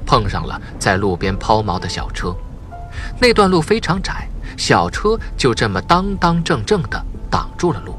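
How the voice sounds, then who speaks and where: A man's voice: fairly low pitch, fairly bright tone. A man narrating a suspense audiobook in a dramatic, scripted storytelling style.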